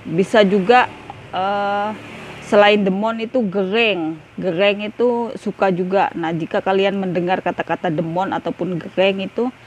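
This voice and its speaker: A young woman talks through a vocabulary lesson in a relaxed, chatty way. She keeps tagging her points with friendly asides to her viewers and pauses on fillers as she goes. Her pitch sits in the middle of the usual range. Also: slight background noise. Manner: chatty, repeats "ya guys", many fillers. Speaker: language tutor. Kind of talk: casual video lesson.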